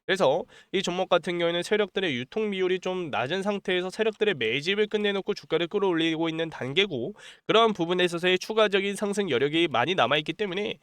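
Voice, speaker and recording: A man with a cold delivers a pushy stock-market pitch, his voice a little high and smooth despite the strain. He keeps the tone urgent and promotional, circling back to the same points. The sound is close and dry with no room around it. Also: expressive, fast, few pauses, fairly bright tone, no echo. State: has a cold, voice a bit strained. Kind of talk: stock analysis monologue with sales pitch.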